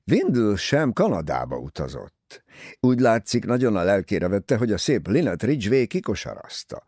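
A man voicing a teasing, easygoing young English gentleman talking with his mother in an audiobook. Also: on the low side, very animated, dry recording, clean studio sound. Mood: wry teasing. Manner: wry, teasing.

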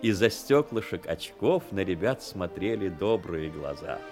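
A man's voice: low-pitched, lively intonation, unhurried, loud music behind the voice. A man reading scripted literary narration as the narrator of a radio play.

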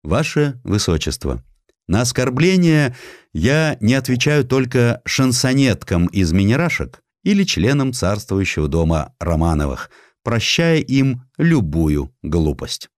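A man's voice: medium pitch, very animated, unhurried, dry recording, clean studio sound. A man voicing a proud, sardonic, defiant naval officer with formal, declamatory speech in an audiobook. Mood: cutting dignity. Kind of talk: dramatized audiobook.

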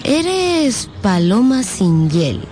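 A woman's voice: fairly high pitch, very animated, drawn-out words, full character voice. An actress playing a teasing, bewitching young Gypsy fortune-teller in a radio novel, with playful, rhymed delivery. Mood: playful prophesying. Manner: playful, sly, sing-song rhymed delivery. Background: background music.

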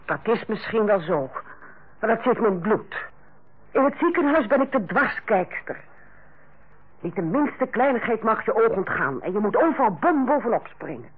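Radio drama role: strict, fussy ward sister, high animated delivery, husky edge, dull old recording. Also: female voice, normal speed. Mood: defensive. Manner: bossy, precise, matter-of-fact. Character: strict, fussy senior hospital nurse, Carla, on holiday. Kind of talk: old Dutch radio play acting.

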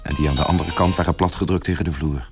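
A man's voice: rumbling low, fairly even intonation, fast talker. A man narrating a scripted radio play as its storyteller. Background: music.

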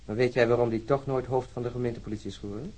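An actor playing an earnest, disillusioned police officer in a radio drama, with a husky voice and a deliberate, wryly lecturing manner. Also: male voice, mid-range voice, steady tone, a little mellow, lightly acted. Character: disillusioned, earnest male Stockholm police officer, talking at length. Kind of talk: naturalistic radio drama acting.

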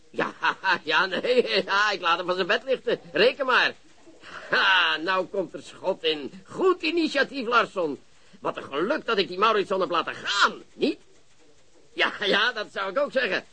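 Excitable high-pitched police chief. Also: male voice, husky, heavily acted. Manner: exclamatory, chuckling, repeats himself. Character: excitable, gleeful male police chief, easily astonished. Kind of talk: radio drama acting.

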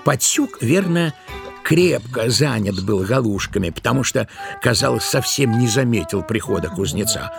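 Male narrator for audio drama: mid-pitched, gravelly edge, measured expressive storytelling. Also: over music.

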